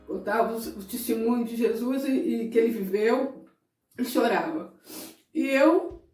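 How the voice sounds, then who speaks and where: A woman's voice: on the high side, unhurried. A middle-aged woman preacher from Brazil giving an emotional sermon-style talk, speaking straight to her viewers and at times close to tears. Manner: conversational, addresses listeners directly. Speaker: evangelical preacher. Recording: echoey room, distant mic, soft guitar music.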